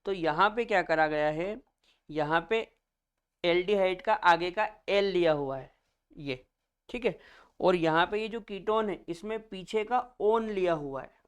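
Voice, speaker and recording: A man's voice: high voice, unhurried, smooth. A male chemistry teacher giving a classroom lecture, naming each term, then asking students to repeat it back, calling them children.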